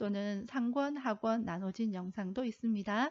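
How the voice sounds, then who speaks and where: A woman talks at a fairly high pitch with ordinary pitch variation. It is an unremarkable speaking voice. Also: quiet background. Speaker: exam prep lecturer. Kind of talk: lecture.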